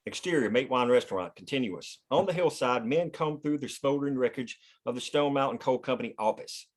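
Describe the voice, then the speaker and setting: A man's voice: medium pitch, lively intonation, fairly quick. A man reading scripted screenplay stage directions as the narrator of a table read.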